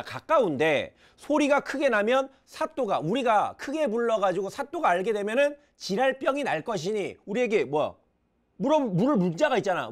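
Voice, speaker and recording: A male teacher giving a casual exam-prep lecture on a classic novel, quizzing students and reading lines aloud. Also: high-pitched. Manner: reads character lines aloud with brief dramatizing.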